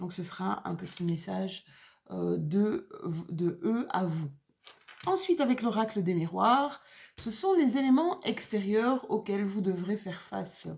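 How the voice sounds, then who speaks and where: A woman speaks at a very slow pace with long, frequent pauses. Her medium-pitched voice is somewhat breathy, with lively intonation. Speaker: tarot card reader. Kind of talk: tarot reading guidance video. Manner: halting, stammering.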